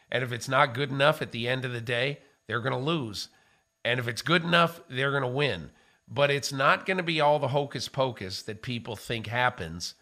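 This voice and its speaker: An older man talks football in a casual studio discussion, his voice bright and forward. He speaks in an animated way into a studio mic in a small room. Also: medium pitch. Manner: animated, gestures with hands while talking. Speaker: football analyst co-host. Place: small studio with framed pictures. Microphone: studio mic on boom arm.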